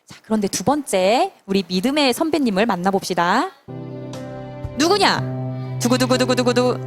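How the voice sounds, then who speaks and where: A woman's voice: on the high side, big pitch swings, unhurried, faint music behind. A Sunday school teacher, a woman, telling a Bible story to children and asking them questions as she goes. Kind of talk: children's sermon.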